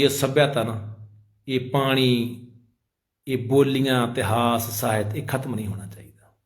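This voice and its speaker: Male activist with a Punjabi accent, mid-pitched voice, emotional and pleading appeal to the public. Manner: pleading, emotional, addresses listeners as brother.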